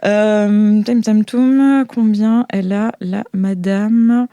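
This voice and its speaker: A woman leads a tabletop role-playing session as game master. Her pitch sits mid-range for a woman and her delivery is conversational, dotted with mouth-made sound effects. The recording is dry, with very little room. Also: fairly even intonation, slow, mellow, clear, resonant tone, no room sound. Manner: conversational, illustrates action with vocal sound effects. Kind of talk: improvised tabletop role-play narration and banter.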